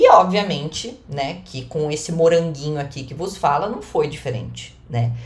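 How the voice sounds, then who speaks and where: Over noticeable background noise and audible room echo, a woman talks at a moderate pace with hardly any pauses. Her pitch is very deep and low, and her intonation is lively. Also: big swings in loudness. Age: 30s. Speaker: podcast host. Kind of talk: monologue.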